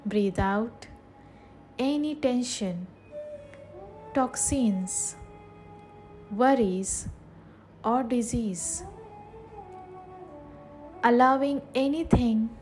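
A woman leading a guided meditation in a soothing, measured way, leaving long pauses between short phrases. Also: on the high side, darkish tone, faint music behind, rough recording.

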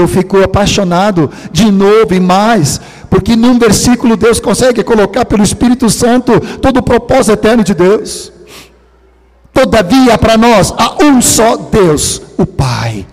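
An older man from Sweden preaches with a Swedish accent, his voice sitting fairly high for a man. He lingers over key words and lets some phrases sink into near-whispers. His voice rings with the long reverb of a large hall. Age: 60s. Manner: dramatic, drops to hushed near-whispers for emphasis; slow, drawn-out stress on key words. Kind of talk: sermon.

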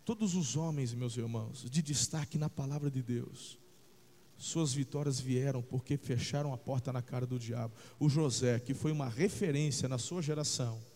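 A man pastor preaching a sermon, swinging between shouts and low, intense passages, calling the listeners "brother" and checking that they follow. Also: long reverb tail.

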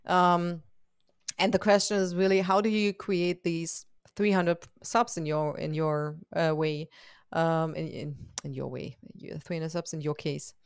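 A woman's voice: low-pitched, fairly even intonation, unhurried, smooth, no echo, clean studio sound. A woman from Germany with a German accent, speaking English as a second language and hosting a casual, conversational interview. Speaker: interview host, photographer.

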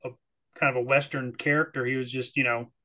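A man from the Texas-Oklahoma area, a player recapping a tabletop game in casual chat, halting and repeating words. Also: medium pitch, level tone, bright, forceful tone.

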